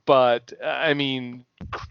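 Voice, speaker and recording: A man's voice: medium pitch, slow pace, gravelly, smooth, no room sound, muffled recording. A man co-hosting a podcast, chatting casually and teasing his friends with lots of swearing. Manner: profane, teasing, animated. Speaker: podcast co-host. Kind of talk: casual banter.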